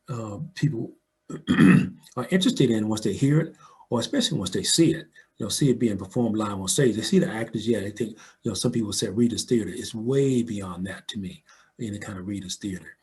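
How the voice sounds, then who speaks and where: An older American man in his 60s or above, an audio dramatist and filmmaker, speaks reflectively as a guest in a conversational interview. His fairly low, darkish voice moves at a moderate pace over slight background noise as he tells stories and often checks in with the listener.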